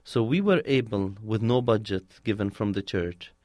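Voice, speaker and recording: Low-voiced man, close dry sound. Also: animated, normal speed, a little mellow, dry recording. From Palestine. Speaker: interviewee, community organizer. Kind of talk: conversational interview answers, telling personal stories.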